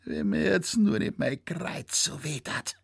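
Old man, Bavarian dialect, quavering, complaining, effusive, husky, a male narrator voicing him. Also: high-pitched, unhurried, no room sound, studio quality, pitched above the performer's own voice, heavily acted. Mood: overjoyed. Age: older. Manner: complaining, then effusive and excited. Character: stooped old Bavarian hunter, frail and lamenting.

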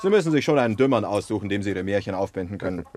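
A gruff, bossy police lieutenant barks orders in a radio play. His delivery is quick and swings up and down, brisk and impatient. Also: fairly low pitch, lively intonation, a little mellow. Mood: brusque.

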